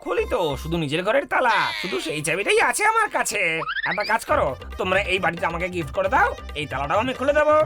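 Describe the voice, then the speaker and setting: A woman voicing a boastful, smooth-talking lock-opener in a dubbed cartoon, talking quickly and with lots of swagger. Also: medium pitch, big pitch swings, natural voice. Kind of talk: cartoon dub voice acting. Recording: studio voice with cartoon music behind.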